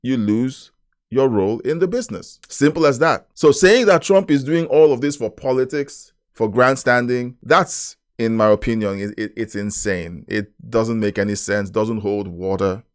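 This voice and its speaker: A man hosting a reaction channel, giving animated political commentary and talking to his chat, often rising into emphatic loud stretches. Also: medium pitch, moderate pace, clean tone.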